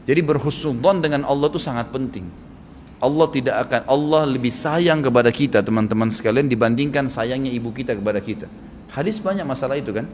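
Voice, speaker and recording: A man's voice: mid-range voice, fast talker, a little mellow, slight background noise. A man preaching a sermon, telling a story and acting out its dialogue with animation. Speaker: Islamic preacher. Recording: long hall reverb, faint ambience.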